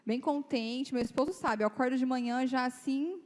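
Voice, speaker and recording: Young female youth speaker, lively and conversational, slightly high pitch, reverberant church hall. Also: normal speed. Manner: lively, chatty, acts out dialogue in quoted voices. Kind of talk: informal talk to teenagers.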